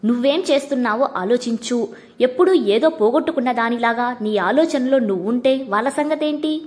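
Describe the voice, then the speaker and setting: Storybook friend, frank and probing, caring underneath, read by a woman in a fairly high voice. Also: normal speed, darkish tone, close to an everyday voice. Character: caring close woman friend, blunt and teasing.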